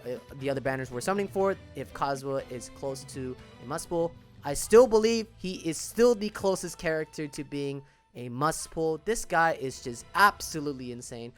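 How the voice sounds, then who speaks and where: A man's voice: on the high side, a bit bright. A man giving casual, emphatic gaming commentary as a video creator, often repeating words for stress. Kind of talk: casual reaction commentary on game banners.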